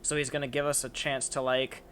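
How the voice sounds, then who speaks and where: A man's voice: medium pitch, level tone, fairly quick, fairly bright tone, soft background music. A young man hosting a casual chat, rambling with lots of fillers and restarts. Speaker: channel host.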